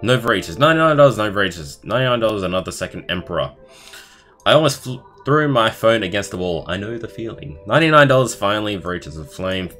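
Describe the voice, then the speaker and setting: A man's voice: fairly low pitch, lively intonation, fast talker, a bit bright, soft background music. A man livestreaming, reading aloud expressively with casual asides and commentary of his own. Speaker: streamer.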